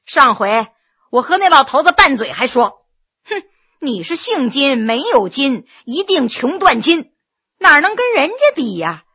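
A woman voicing a chatty, flattering middle-aged innkeeper woman who gushes and talks fast. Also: high voice, full character voice. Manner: gushing and fast-talking.

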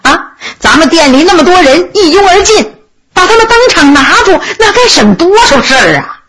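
A man's voice: very high voice, big pitch swings, a bit bright, slight background noise, heavily acted, rough recording. A woman voicing an anxious, honest old male innkeeper who stammers, sighs and laments tearfully in a storytelling performance. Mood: despairing, lamenting. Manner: stammering, sighing, drawn-out lamenting.

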